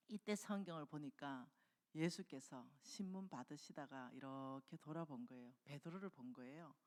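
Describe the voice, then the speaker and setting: A woman preaching a revival sermon in a church, telling the story with lively acted-out dialogue. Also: sits low. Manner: animated storytelling, acting out quoted dialogue. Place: church sanctuary. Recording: long hall reverb.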